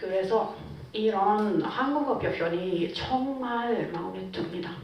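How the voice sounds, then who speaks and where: Speaking very slowly with lively intonation, a woman with a non-native accent and a medium pitch is heard amid noticeable background noise and audible room echo. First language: not Korean (speaking Korean). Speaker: speech contest contestant. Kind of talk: prepared speech.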